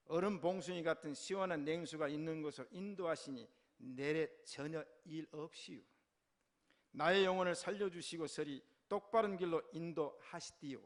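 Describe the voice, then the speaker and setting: Casting: a preacher doing a Hamgyeong-accented northern man, slow and forceful. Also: on the high side, close to an everyday voice. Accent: Hamgyeong dialect. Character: northern Hamgyeong man reciting a psalm in dialect.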